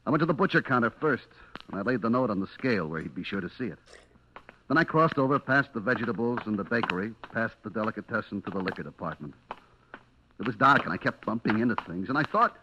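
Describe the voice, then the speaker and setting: A man's voice: mid-range voice, bright, forceful tone, muffled recording, slight background noise. An actor playing a nervous, cornered man who tells his own story in clipped, confessional old-time radio suspense style. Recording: vintage radio recording with music behind.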